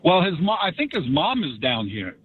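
A man's voice: on the high side, wildly swooping pitch, normal speed, narrow, tinny audio. An older man from Montreal, a co-host on a radio show, easygoing in casual banter and quiz answers. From Montreal, Canada. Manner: easygoing, laughs along.

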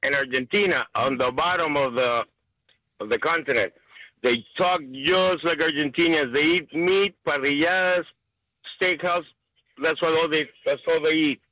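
A cheerful male caller with a slightly high voice, talking over a thin, tinny phone line. He sounds sure of himself and keeps calling the host "man.". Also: normal speed, dry recording. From Chile. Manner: cheerful, matter-of-fact, keeps saying man.

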